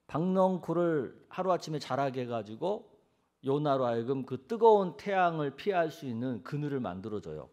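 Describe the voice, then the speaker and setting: Animated male pastor preaching. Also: a little high. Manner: animated, colloquial storytelling preaching. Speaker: senior pastor. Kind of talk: sermon.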